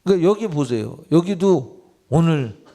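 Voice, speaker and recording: A man with a gravelly, fairly high voice preaching a sermon in a church. He talks in a conversational way and keeps firing direct questions at the congregation. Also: lively intonation, moderate pace, mellow. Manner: conversational, quizzes listeners directly. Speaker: pastor. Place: church sanctuary.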